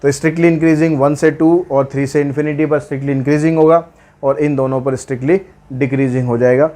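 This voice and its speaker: A man's voice: fairly high pitch, fairly even intonation, fast, warm tone. A male math teacher giving a casual blackboard lesson, teasing his students and stepping through the working one step at a time.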